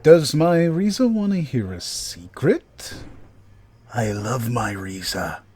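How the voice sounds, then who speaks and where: An actor playing a very drunk, clingy general in a fan audio drama, slurring in a giddy, childishly affectionate way. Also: male voice, medium pitch, animated, a little mellow, a little hiss or hum. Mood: gleeful, besotted. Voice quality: slurred speech. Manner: drawn-out, giddy, swooping drunken delivery.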